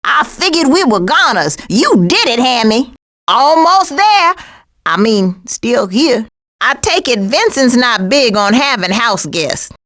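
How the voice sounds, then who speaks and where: A woman's voice: fairly high pitch, sing-song, slow, fairly bright tone, heavily acted. A woman voicing a sassy, streetwise female skunk with an American accent and slangy, emphatic delivery for a cartoon video game. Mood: sassy, confident. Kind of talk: animated video game voice lines.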